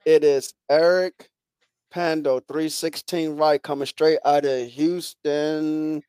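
A man's voice: a little high, little pitch movement, slow pace, a little mellow, clear, resonant tone, dry recording. A man hosting a podcast with casual, informal sports talk, often repeating phrases as he goes. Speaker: podcast host.

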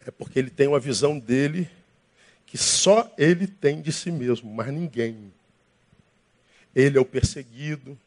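A man's voice: medium pitch, darkish tone. A man preaching a sermon, telling an anecdote and acting out both sides of the dialogue in his own voice. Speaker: pastor.

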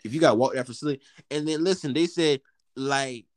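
A young man with a deep voice rambles through a casual chat, slangy and easygoing, stumbling over restarts and breaking into quick laughs. His voice sounds close and dry, with next to no room around it. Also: dry recording. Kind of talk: casual chat between friends.

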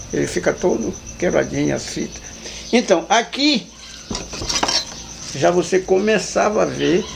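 A man explains a craft step by step in a casual storytelling way. His voice sits high and is deeply gravelly. Steady background noise runs under the recording. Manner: lively storyteller acting out dialogue. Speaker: folk singer and craftsman.

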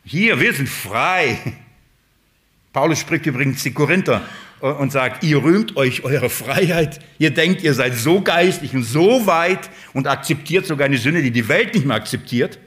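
Guy preaching a sermon, kinda high voice, big swings loud to quiet, keeps asking the crowd questions. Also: animated, a little slow. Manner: emphatic, swings between loud and hushed; addresses the congregation with rhetorical questions.

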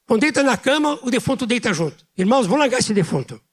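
Man with a high voice preaching loud, repeats stuff for emphasis, pastor sermon. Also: sing-song. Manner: preaching with pauses and emphatic repetition; speaks loudly by his own account.

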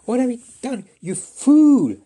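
A man voicing a hot-tempered boy in a told story, shouting shrill, scolding complaints. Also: very animated, slow pace, slightly rough, exaggerated voice. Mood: exasperated.

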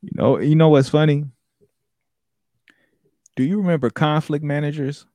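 A man's voice: fairly high pitch, fairly even intonation, moderate pace, dark tone, no echo. A young man from San Francisco, talking casually and reflectively, explaining his points. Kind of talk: casual conversation.

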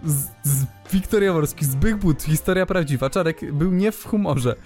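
A man's voice: on the high side, animated, normal speed, a little mellow, soft background music. A man co-hosting a podcast, reading listener emails aloud in a joking way and breaking into laughter as he goes. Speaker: podcast co-host.

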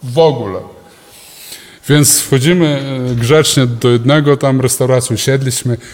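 A man's voice: mid-range voice, fairly even intonation, moderate pace, darkish tone, long reverb tail. A male pastor giving a sermon, telling a personal story in a chatty way, with restarts and chuckles. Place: church service hall.

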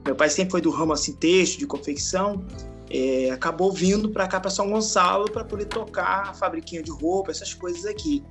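A man in his late forties with a Rio de Janeiro Brazilian accent, telling his story as a podcast guest in a relaxed way, full of slang and laughter. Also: high-pitched, a little fast, faint music behind. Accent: Rio de Janeiro Brazilian Portuguese. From Araruama, Rio de Janeiro state, Brazil. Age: 40s. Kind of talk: casual storytelling interview.

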